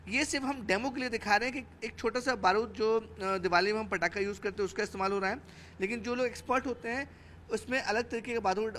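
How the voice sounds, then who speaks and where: A man's voice: high voice, a bit bright. A man reporting for television news, explaining things on camera in an emphatic way and repeating phrases as he goes. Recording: clear background noise.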